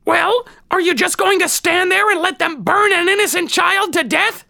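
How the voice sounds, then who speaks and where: A man voicing a fierce, urgent woman who scolds and demands, in a creaky, sharp voice in a fantasy audiobook. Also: very high voice, normal speed, voice pushed up, full character voice. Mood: indignant, demanding. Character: fierce, scolding woman urging on a reluctant knight.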